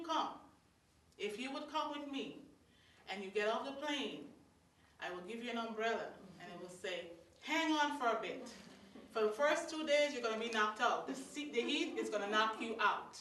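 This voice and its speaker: In audible room echo, a woman with a Guyanese accent speaks at a moderate pace with long, frequent pauses, her fairly high, bright, sharp voice showing very wide pitch swings and big swings in loudness. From Guyana. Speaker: storyteller. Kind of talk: storytelling. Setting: story circle with live audience.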